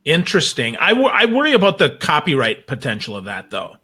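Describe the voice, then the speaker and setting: Bright, higher-pitched man talking emphatically. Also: wildly swooping pitch, fairly quick, husky. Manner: emphatic, repeats words, tags points with "right?". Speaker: guest on a social media talk show. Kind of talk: casual panel discussion.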